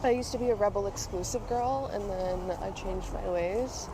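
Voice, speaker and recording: A woman's voice: mid-range voice, moderate pace. A young American woman chatting casually as a podcast host, recorded outdoors. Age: young adult. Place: outdoors in public at a busy drive coffee stand. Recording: noisy outdoor urban drive-through ambience. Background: outdoor ambience and vehicle noise.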